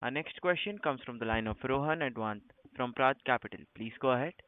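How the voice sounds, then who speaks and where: A man's voice: medium pitch, a little fast. Male call operator over phone line. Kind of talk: scripted call moderation. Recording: narrow tinny phone line.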